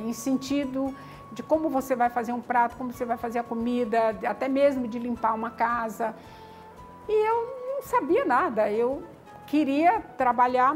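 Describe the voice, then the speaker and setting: Older woman telling her story. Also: a little high. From Maranhão, Brazil. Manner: reflective, frequent "né?" and "tá entendendo?" tags. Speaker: community founder. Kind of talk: personal life story interview.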